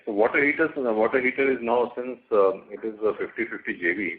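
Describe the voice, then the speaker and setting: A man's voice: medium pitch, quick pace. A man speaking as a company executive, carefully and a little hesitantly answering financial questions on a call. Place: telephone conference call. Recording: narrowband phone line with faint noise.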